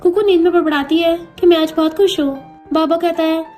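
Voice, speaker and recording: A woman's voice: very high voice, steady tone, a little fast, a little mellow, soft background music. A woman narrating a drama recap in a casual storytelling way, reading every character's lines in her own voice.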